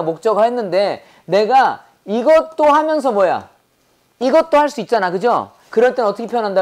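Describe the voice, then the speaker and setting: Teaching English grammar in class, a woman with a Korean accent peppers her students with quick rhetorical questions. Then she slows right down to drill phrases for them to repeat back, in a voice that runs high with a darkish tone.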